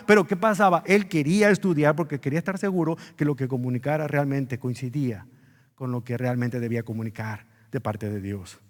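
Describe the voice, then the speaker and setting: A male pastor preaches an earnest sermon, pitched high for a man. He pushes his key words upward for emphasis. His voice carries through the long reverb of a church. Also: fairly bright tone.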